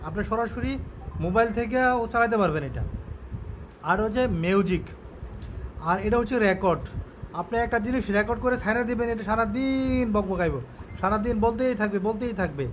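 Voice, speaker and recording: A man with a Bangladeshi accent giving a casual product demonstration and sales pitch, explaining step by step and often repeating himself. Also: brisk, a little hiss or hum. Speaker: shop seller presenting a product on his channel.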